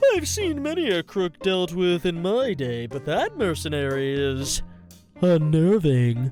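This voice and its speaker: A man's put-on character voice, fairly high in pitch and fairly slow, with clear music in the background. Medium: game stream. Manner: formal, genteel.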